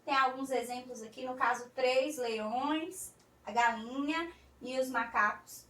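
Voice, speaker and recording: A Brazilian woman teaching a recorded class for young children, in slow, coaxing, sing-song teacher talk. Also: high-pitched, steady tone, a bit bright, roomy sound, recorded from a distance. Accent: Brazilian Portuguese.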